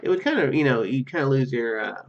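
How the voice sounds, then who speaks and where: A man's voice: medium pitch, expressive, quick pace, creaky, a little hiss or hum. A man reading a game's narration aloud and adding casual commentary as a gaming video host, on a slightly lo-fi microphone.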